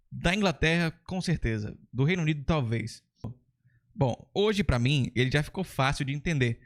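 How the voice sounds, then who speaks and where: Brazilian guy teaching english accents, chatty and into it, mid-pitch voice. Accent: Brazilian Portuguese. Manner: chatty, enthusiastic, explains step by step. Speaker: English teacher and channel host. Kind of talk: casual explanatory lesson.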